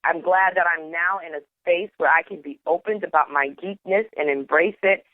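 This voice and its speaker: A woman's voice: on the low side, moderate pace, no room sound. A woman from Trinidad with a Trinidadian accent, a guest telling her story in a playful, laughing, casual way. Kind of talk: casual interview chat. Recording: tinny phone-line call, dry.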